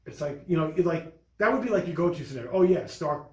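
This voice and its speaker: A man's voice: a little high, animated, quick pace, a little mellow. A man hosting a casual film discussion, speaking in an emphatic, opinionated way. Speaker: podcast host reviewing films. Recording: roomy echo.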